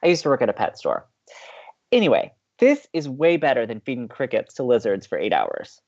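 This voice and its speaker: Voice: medium pitch, very animated, a little fast, a little mellow, muffled recording. A performer playing an upbeat, chatty young college radio co-host in an audio drama, teasing and playful. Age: young adult.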